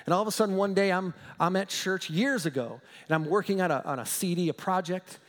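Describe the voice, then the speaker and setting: A man's voice: sits high, fairly quick, big-room sound. A man preaching a sermon as pastor, telling stories emphatically with frequent chuckles.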